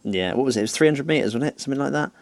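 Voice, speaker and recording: A man chatting casually on a podcast, easygoing and quick to agree and chuckle. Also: medium pitch, animated, vocal fry, a little hiss or hum.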